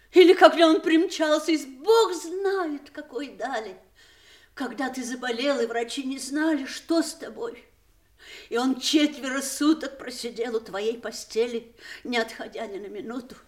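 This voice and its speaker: An actress playing an imperious, bitter widowed mother who scorns her grown children, theatrical and cutting in an audio stage drama. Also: high-pitched.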